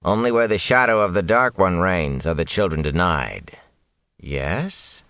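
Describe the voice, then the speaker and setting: A man doing a soft-spoken, cold zealot. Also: sits low, no room sound. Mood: cold suspicion. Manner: soft, slow, cold and suspicious.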